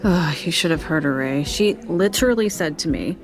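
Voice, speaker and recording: A woman's voice: low-pitched, animated, moderate pace, faint music behind. An actress playing a stubborn, reluctant young woman writer in an audio drama, wry and earnest, with a dry, understated manner. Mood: disappointed. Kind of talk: naturalistic audio drama acting.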